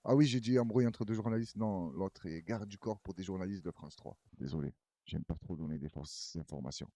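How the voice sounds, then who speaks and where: Husky low-voiced man, rambling commentary. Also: brisk, warm tone. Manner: rambling, chatty, laughs often. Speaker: news commentary host. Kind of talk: casual reaction commentary.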